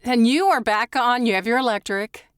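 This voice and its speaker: A woman's voice: fairly high pitch, normal speed, no room sound, clean studio sound. A woman chatting casually as a podcast co-host.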